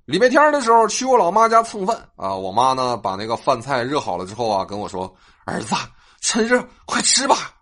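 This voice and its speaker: Give me a man hosting a comic monologue, his voice swooping wildly up and down. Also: medium pitch. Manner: animated, sing-song delivery with drawn-out particles. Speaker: host.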